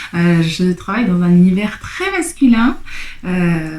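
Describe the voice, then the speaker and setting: The clip carries noticeable background noise. Through it, a woman speaks at a medium pitch. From France, Lyon. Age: 30s. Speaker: sewing youtuber. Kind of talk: casual vlog answering tag questions. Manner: hesitant, many fillers.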